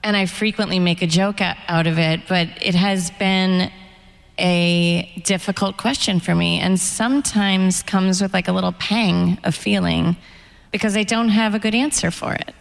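A middle-aged American woman, an author and guest, talking in a reflective, candid and measured way at a live event interview in a hall. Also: medium pitch, steady tone, gravelly. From United States.

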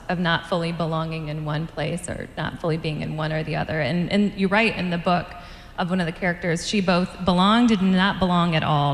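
Woman, event moderator, thoughtful prepared questions, roomy hall, long reverb. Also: on the low side. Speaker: interviewer moderator. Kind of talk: live event interview.

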